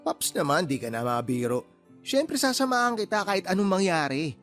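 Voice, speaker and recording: A wisecracking loyal buddy. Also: male voice, high-pitched, sing-song, normal speed, a bit bright, faint music behind. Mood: joking. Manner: teasing, boastful, laughing. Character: joking loyal younger male buddy, playful. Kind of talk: radio drama acting.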